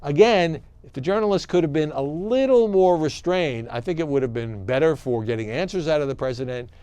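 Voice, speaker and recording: A man giving conversational opinion commentary, halting at times and stressing key words. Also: fairly high pitch, animated, warm tone, clear, resonant tone, dry recording. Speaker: media commentator.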